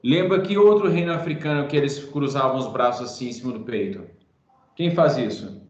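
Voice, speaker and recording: A man's voice: mid-range voice, a little fast, roomy sound, lo-fi sound. A male history teacher giving an online class, explaining patiently with playful asides to his students.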